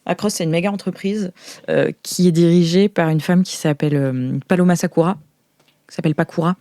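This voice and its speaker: A woman playing a flustered insider guide in an improvised audio role-play, explaining things in a halting, hesitant way. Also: lowish voice, steady tone, warm tone, no echo, clean studio sound, close to an everyday voice. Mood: hesitant, earnest. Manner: hesitant, halting, searching for words.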